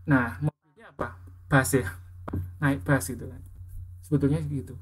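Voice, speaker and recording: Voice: mid-range voice, fairly even intonation, moderate pace, slight background noise. Patient Indonesian English teacher. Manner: explains patiently, repeating words and correcting pronunciation. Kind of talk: teaching an English lesson in a class.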